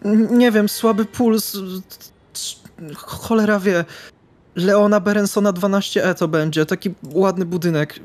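A man acts out a novice vampire in a tabletop game, rattled and anxious. His voice sits a bit high, and he stammers and hesitates through his sentences. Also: steady tone, unhurried, a little mellow. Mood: flustered.

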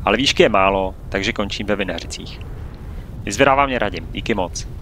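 A man calmly narrating his own flight video in a steady, matter-of-fact voice-over. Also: on the low side, slight background noise. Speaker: paraglider pilot and vlogger.

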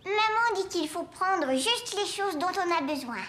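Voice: extremely high pitch, animated, measured pace, sharp tone, heavily acted. A performer voicing a small boy in a children's cartoon, speaking with childlike, simple earnestness. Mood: eager. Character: cheerful, eager small boy of about four.

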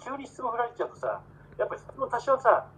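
A man's voice: very high-pitched, wildly swooping pitch, quick pace, a bit bright, a little hiss or hum, poor audio. A man appearing as a guest in a casual live-stream chat, earnestly giving preachy life advice.

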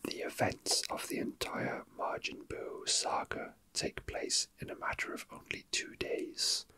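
A male ASMR creator delivers a slow, soft, breathy whisper, casually chatting and reading facts aloud with an unhurried, hesitant manner. The audio quality is poor.

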